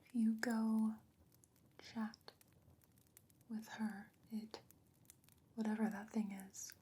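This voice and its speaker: A woman playing a calm, knowing, secretive potion maker in a soft-spoken ASMR fantasy roleplay, whispering slowly and breathily with measured, hesitant pauses. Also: a little high, slight background noise. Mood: conspiratorial, reluctant.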